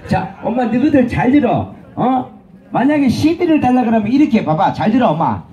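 High, lively rowdy male hawker. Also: fairly quick, lo-fi sound. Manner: bantering, teasing, shouted cues. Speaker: street performer and vendor. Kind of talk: rowdy comic banter with a crowd. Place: outdoor festival stage.

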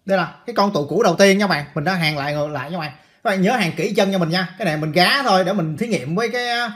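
A chatty man walks viewers through a circuit board repair at his workbench. His voice sits a little high for a man, and he keeps repeating phrases and calling out to the audience as he works. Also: racing, fairly bright tone. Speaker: electronics repair instructor. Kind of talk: casual hands-on repair tutorial.

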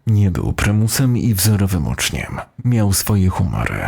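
A man voicing a defiant, foul-mouthed schoolteacher under suspicion in an audio horror story, gruff and agitated. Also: deep voice, big pitch swings, measured pace, darkish tone, heavily acted. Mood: grudging.

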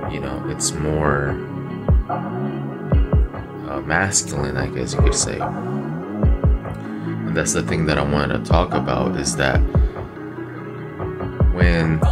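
Very deep-voiced young man, slow and rambling. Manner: casual, rambling, peppered with "you know" and slang. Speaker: channel host. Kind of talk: casual self-improvement vlog. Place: small bedroom, indoors. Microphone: phone camera close up.

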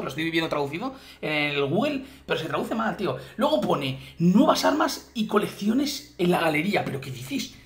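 A man from Spain with a Spain Spanish accent, giving excited reaction commentary on a game update and calling out to his viewers. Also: on the high side. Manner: excitable, exclamatory, keeps addressing viewers as guys. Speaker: gaming YouTuber.

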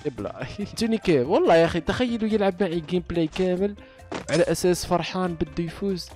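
A young man, giving excitable, boastful commentary over his own gameplay and trash-talking opponents. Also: high voice, fast, music in the background. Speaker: gaming YouTuber.

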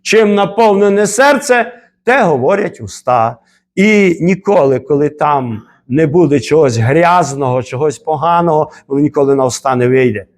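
A man preaching a church sermon as pastor, swinging from quiet reflection to loud, emphatic repeated exhortations. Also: on the high side, animated, normal speed.

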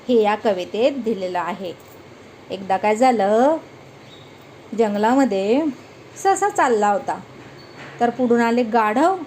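A woman's voice: on the high side, slight background noise. A woman teacher who recites a children's poem and explains it, asking the children questions as she goes. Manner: slow recitation, then lively questions to children.

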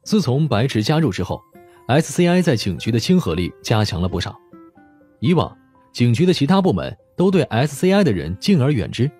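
A male storyteller reads scripted fiction. His pitch moves a lot and his voice has a husky grain. Soft music plays behind him. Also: sing-song, brisk. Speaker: audiobook narrator.

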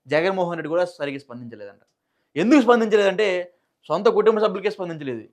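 A man's voice: high-pitched, expressive, quick pace. A man with a Telugu accent giving informal political news commentary, repeating phrases for emphasis and asking rhetorical questions.

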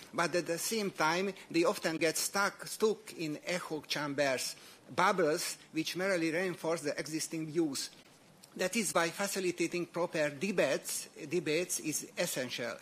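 A man's voice: a little high, fairly bright tone, a little hiss or hum. A man giving a formal prepared statement at a committee debate, earnest and often repeating words as he goes.

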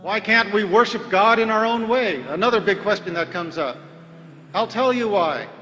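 A man giving a deliberate, emphatic religious lecture full of rhetorical questions. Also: high-pitched, animated, sharp tone, big-room sound. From United States. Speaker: Islamic preacher.

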